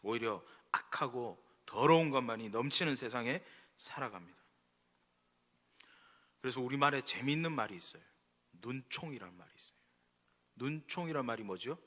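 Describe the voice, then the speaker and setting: A middle-aged male pastor preaches in a church, his bright, forceful voice trailing a long hall reverb. He tells stories in a relaxed, conversational way, then builds to emphatic exhortation. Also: medium pitch, normal speed, pauses often. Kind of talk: sermon. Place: church sanctuary.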